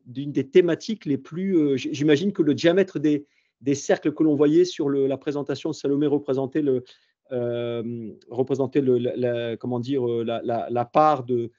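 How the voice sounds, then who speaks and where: A man's voice: medium pitch, dark tone, lo-fi sound. A man in his fifties, a university professor giving an online presentation, speaking effusively and often restarting words mid-sentence. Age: 50s. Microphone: video call.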